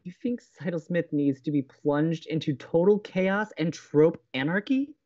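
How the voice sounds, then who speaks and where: A woman playing an anxious, stubborn young college radio host in an audio drama, with a flustered, halting, emphatic way of talking. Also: low-pitched, animated, warm tone, dull audio. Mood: agitated. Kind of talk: naturalistic audio drama acting.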